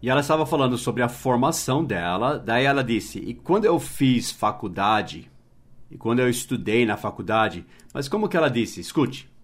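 A man's voice: medium pitch, lively intonation, slightly rough. A man hosting a casual podcast lesson, patiently explaining and spelling words out letter by letter. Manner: slows down to model English phrases, adds tag questions. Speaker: English teacher and podcast host.

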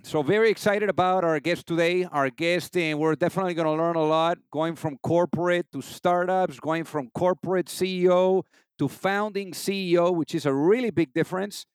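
A man's voice: sits high, normal speed, smooth, dry recording. A man hosting an interview podcast, eager and peppered with "you know" fillers. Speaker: podcast host.

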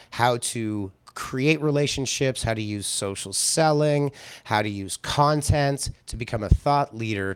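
Slightly hoarse male podcast host. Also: medium pitch, dry recording. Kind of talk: casual interview chat.

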